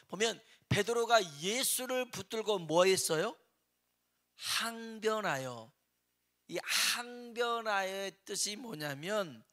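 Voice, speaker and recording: A man's voice: a little high, sharp tone. A man preaching a sermon in a church, teaching from scripture with rhetorical questions and dramatic acted quotes. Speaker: pastor.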